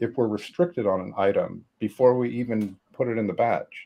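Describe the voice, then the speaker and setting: A man speaks in an ordinary speaking voice at a fairly slow pace. His pitch is medium, with ordinary pitch variation. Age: 60s. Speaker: software company employee and Amazon seller. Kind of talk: casual chat.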